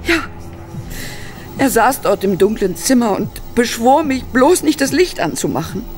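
A woman playing an embittered, frightened Hollywood actress, telling her story in a halting, dramatic German horror radio play style. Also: on the high side, very animated, darkish tone, soft background music. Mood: horrified.

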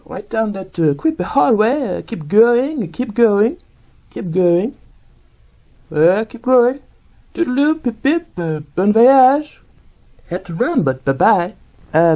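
A man's voice: high voice, mellow, full character voice, rough recording. A man voicing a chatty French monkey puppet reporter with a French accent and a sing-song voice. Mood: flustered. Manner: jokey, rambling, flustered fibbing. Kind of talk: comic puppet news segment.

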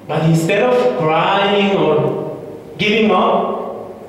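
Man orating in an echoey hall. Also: high voice. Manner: slow, deliberate, dramatic pauses. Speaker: speech contestant. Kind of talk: memorized contest speech. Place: large indoor auditorium stage. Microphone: far camera, no visible mic. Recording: echoey hall from far off, faint hiss.

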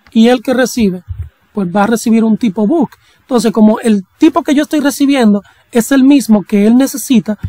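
A young adult coding instructor walks through a tutorial in an easygoing, conversational manner. The voice sits at a middle pitch. It is recorded dry, with almost no room sound. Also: a little mellow, no echo, low-quality recording. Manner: casual, chatty teaching with slang and jokey asides. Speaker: programming instructor.

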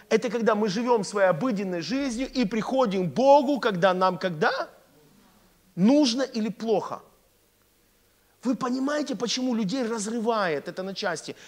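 Casting: middle-aged male pastor, high-pitched voice, animated conversational sermon, repeats key lines, throws questions at listeners, acts out dialogue. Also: normal speed. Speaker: pastor preaching. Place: church stage indoors. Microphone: handheld microphone.

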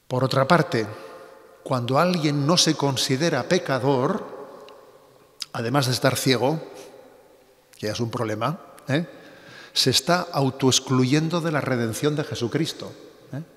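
A man's voice: medium pitch, a little slow, pauses often, a bit bright. A middle-aged bishop giving a conversational spiritual reflection, often tagging his sentences with little questions. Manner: conversational preaching with frequent tag questions. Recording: reverberant hall.

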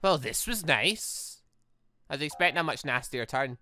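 An excitable let's player rambling and exclaiming while commenting on a game and reading its dialogue aloud. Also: medium pitch, moderate pace, no echo, clean studio sound, soft background music.

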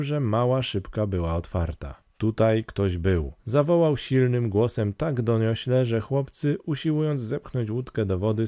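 A man narrating an audiobook in a steady storytelling read. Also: medium pitch, dry recording, clean studio sound. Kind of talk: scripted narration.

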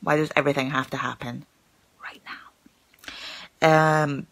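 Young woman who stammers, gravelly and bright. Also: low voice, steady tone, measured pace. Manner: stammers, with many fillers and repeated words. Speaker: channel host who stammers. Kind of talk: casual live-stream chat. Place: small room indoors. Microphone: phone held at arm's length.

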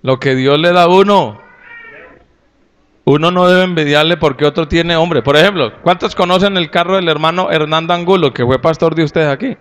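Un hombre con acento colombiano predica un sermón con su propia voz, algo aguda y de timbre limpio y resonante. Habla de forma campechana y jocosa. Lanza preguntas y comentarios directos a los fieles. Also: male voice, on the high side, moderate pace, smooth. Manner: folksy and humorous, with lively asides to the audience. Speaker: pastor. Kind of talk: sermon to a congregation.

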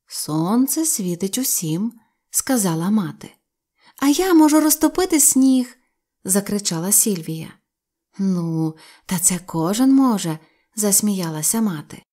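A woman narrating a fairy tale aloud in a calm, even reading voice. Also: mid-range voice. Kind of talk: storybook narration.

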